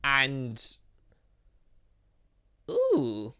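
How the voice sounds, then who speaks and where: A male gaming host with a bright, forceful voice. His pitch moves around a lot as he reads game text aloud and drops in chatty comments. He occasionally stumbles on a word and carries on. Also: huge pitch swings, very slow, clean tone. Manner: stumbles over long words, chatty asides. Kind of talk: let's play, reading game dialogue aloud with commentary.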